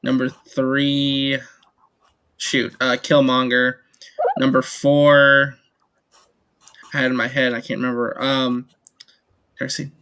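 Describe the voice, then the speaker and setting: A man's voice: medium pitch, little pitch movement, slow, pauses often, sharp tone, clear, resonant tone. A man talking casually as a panelist in a film discussion. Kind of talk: casual chat.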